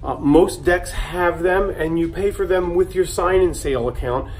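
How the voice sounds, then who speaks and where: A middle-aged man with a slightly higher voice talks through a how-to in a chatty, self-deprecating way. He sounds a little away from the camera mic in a hard, echoey laundry room, with steady machine and air hum behind him. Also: moderate pace, recorded from a distance. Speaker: travel vlog host. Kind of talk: casual how-to vlog narration. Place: cruise ship laundry room.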